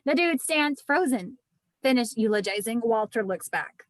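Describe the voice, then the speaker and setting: A woman's voice: a little high, lively intonation, normal speed, no echo. A woman narrator reading stage directions from a film script in an online table read. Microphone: video call.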